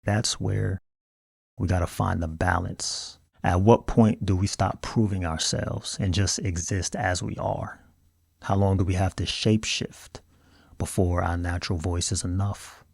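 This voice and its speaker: A low-voiced man with an African American accent hosts a video essay. His delivery is earnest and colloquial, with gravelly fry, recorded close and dry. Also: steady tone, unhurried, no room sound. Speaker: video host. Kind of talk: scripted video essay commentary.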